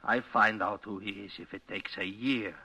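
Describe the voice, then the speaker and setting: An actor playing a big, jealous, brooding butcher in an old radio suspense play, halting, terse and ominous. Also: male voice, fairly low pitch, steady tone, bright, forceful tone, husky, exaggerated voice. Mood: menacing. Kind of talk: 1940s-50s radio suspense acting. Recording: noisy old radio, slightly distant.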